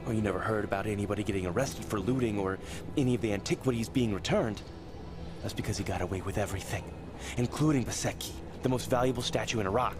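A man's voice: on the low side, fast talker, music in the background, lightly acted. A male actor playing a resolute, world-weary fugitive ex-soldier in a motion-comic thriller, grave and determined in manner. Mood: serious. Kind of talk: dramatic motion-comic voice acting.

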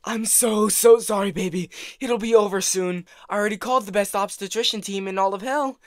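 A man's voice: high-pitched, steady tone, a little fast, no echo, clean studio sound, lightly acted. A man voicing a cowardly, doting devil husband in a comic dub, stammering and pleading in panic. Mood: anxious soothing.

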